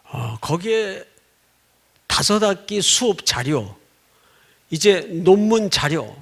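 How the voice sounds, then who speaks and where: A middle-aged man delivers a sermon as a story, his voice high and gravelly. He swings from loud outbursts to soft, near-whispered lines, and keeps prompting the congregation for a response. His pitch rises and falls across a lively range. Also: slow. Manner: storytelling with dramatic swings, acting out shouts and whispers. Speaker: pastor.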